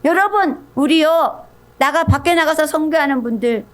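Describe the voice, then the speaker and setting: A woman preaching a sermon in an animated storytelling manner. Her voice is high-pitched and moves between soft, hushed passages and louder, emphatic ones. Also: normal speed. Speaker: pastor's wife preaching.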